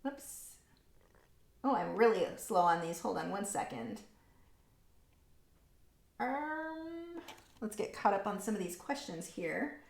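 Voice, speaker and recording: A woman's voice: medium pitch, expressive, slow, vocal fry, long pauses, roomy sound. A woman running a live painting lesson, chatting casually and reading out viewers' comments as she works. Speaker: art instructor. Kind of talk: live painting tutorial with chat.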